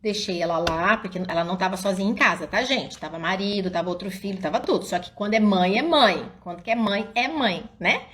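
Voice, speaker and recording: A woman's voice: a little fast, hardly any pauses, slight background noise. A middle-aged woman psychologist, talking casually to parents in a live stream and acting out little scenes as she tells them. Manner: animated storyteller, often addresses listeners as "gente"; drops soft and low when quoting her own calm words to the child.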